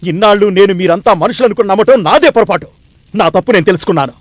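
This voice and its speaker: A man's voice: sits high, rapid-fire, dry recording. An actor playing a grieving young man who bitterly accuses the villagers, in a 1980s film drama. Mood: angry grief.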